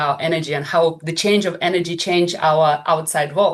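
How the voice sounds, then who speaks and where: With a non-native accent, a woman speaks in a fairly low voice with ordinary pitch variation. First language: not English. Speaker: Reiki master teacher and author. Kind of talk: casual interview.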